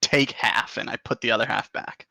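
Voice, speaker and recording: A man's voice: mid-range voice, fairly even intonation, moderate pace, vocal fry, bright, forceful tone, no echo, low-quality recording. A man playing in a tabletop game, casual and playful and laughing often. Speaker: player.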